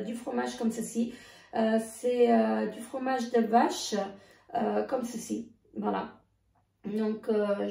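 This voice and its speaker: Woman, gravelly, mellow, halting with fillers, slightly high voice. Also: far from the mic. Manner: hesitant, many filler sounds, halting restarts. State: losing her voice. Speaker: vlogger. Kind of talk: casual grocery haul vlog. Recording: echoey room, voice off-mic.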